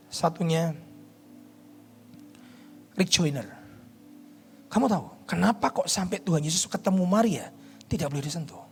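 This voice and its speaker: A male pastor preaching a sermon in a church, dropping to hushed whispers and rising to shouted peaks, acting out the voices of figures he quotes. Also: high voice, vocal fry, husky. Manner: acts out quoted voices in dialogue. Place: church hall.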